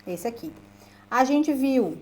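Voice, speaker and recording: A young woman with a Brazilian Portuguese accent teaching an English pronunciation lesson, emphatic and lively, repeating words for drilling. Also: sits high, takes it slowly.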